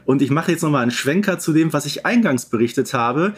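A man's voice: a little high, animated, fast talker, slightly rough. A man co-hosting a podcast in a casual, conversational style. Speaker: podcast co-host.

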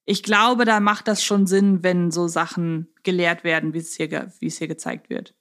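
A woman's voice: lowish voice, little pitch movement, moderate pace, fairly bright tone. A woman co-hosts a casual podcast, thinking aloud and reasoning step by step. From Hamburg, Germany. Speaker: podcast co-host.

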